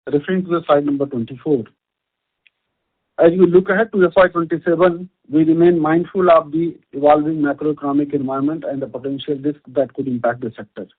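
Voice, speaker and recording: A man with an Indian accent reads a scripted corporate earnings presentation as a company executive, formal and measured, over a conference call line. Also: on the high side, fairly even intonation, husky. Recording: muffled band-limited conference call audio.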